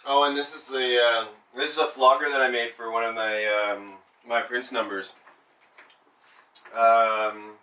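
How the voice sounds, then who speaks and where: A man's voice: medium pitch, flat delivery, a little slow, pushed and bright, recorded from a distance, rough recording. A man born in Zambia who works as a burlesque and cabaret performer, speaking reflectively in a documentary interview and often restarting his sentences as he searches for words.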